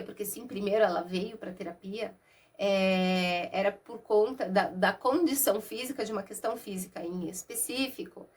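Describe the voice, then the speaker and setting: A Brazilian woman talks to her viewers like a therapist, her voice nasal and husky from a cold. She pitches a little high and keeps a chatty, easy flow. She records without a separate microphone. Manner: warm, conversational, uses many diminutives and asides. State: has a cold. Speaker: therapist and mentor. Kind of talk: casual explainer talk to camera. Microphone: no external microphone.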